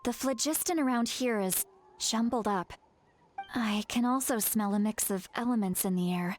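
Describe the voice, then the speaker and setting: A woman's voice: a little high, normal speed, natural voice. A woman playing a brash, impatient tribal warrior in a video game, with a hot-tempered, muttering manner. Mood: analytical. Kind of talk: video game character voice acting.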